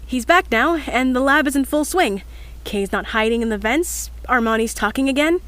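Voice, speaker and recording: A woman's voice: high voice, slight background noise. A woman playing an earnest, determined young scientist in an audio drama, speaking in a reflective, slightly hesitant confessional log. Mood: hopeful.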